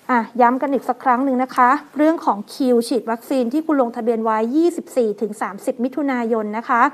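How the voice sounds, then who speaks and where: A woman co-hosting a news show, chatting and reading out schedules with soft polite particles. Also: sits high.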